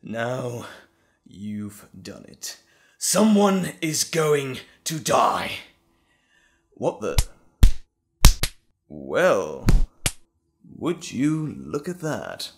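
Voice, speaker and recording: A man playing a gloating, sinister evil alter ego in an audio drama, with a mocking, theatrical, drawn-out delivery. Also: mid-range voice, big pitch swings, noisy background, heavily acted. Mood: menacing glee.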